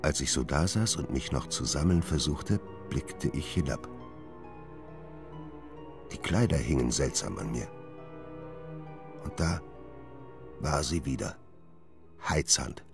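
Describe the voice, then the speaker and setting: A haunted gentleman doctor speaks in an extremely deep, creaky voice. He is secretive and weighed down by guilt, confessing deliberately in literary phrases, as in a radio play, with music underneath. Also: heavily acted. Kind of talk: German radio play narration and dialogue.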